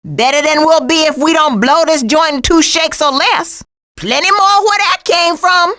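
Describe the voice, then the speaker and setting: A woman voicing a sassy, streetwise, sarcastic female skunk with slangy wisecracks in an animated video game. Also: high voice, normal speed. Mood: wry.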